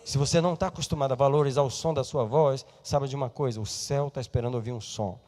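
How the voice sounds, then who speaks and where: A male pastor preaching a sermon in a church, moving between soft, intimate talk and loud exhortation. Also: medium pitch, quick pace.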